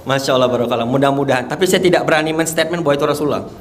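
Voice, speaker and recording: A man's voice: a little high, steady tone, very fast, a little hiss or hum. A young man, telling his testimony with emotion and emphasis, laughing often as he talks. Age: young adult. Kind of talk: animated testimony before a live audience.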